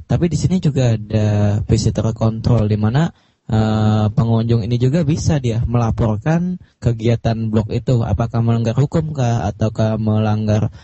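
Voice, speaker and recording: A man co-hosting internet radio, explaining casually and a bit haltingly, on a noisy lo-fi broadcast. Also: medium pitch, no echo. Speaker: radio co-host. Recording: dull, lo-fi streaming radio with loud noise.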